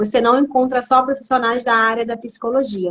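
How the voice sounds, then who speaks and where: A woman's fairly high voice with a Brazilian accent. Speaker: mental health professional. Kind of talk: live stream talk, platform promotion. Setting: online live stream.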